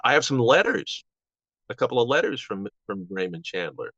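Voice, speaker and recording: A man in his seventies reminiscing casually as an interview guest, halting and rambling with false starts. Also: medium pitch, very animated, sharp tone, breathy edge, dry recording. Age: 70s. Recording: dull, band-limited audio.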